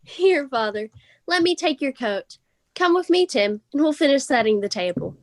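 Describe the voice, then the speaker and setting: An affectionate young Victorian daughter played by a woman in a radio drama. She is high-voiced and lively, with a cheerful manner. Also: moderate pace. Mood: cheerful, fond. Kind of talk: radio play acting of a Victorian tale.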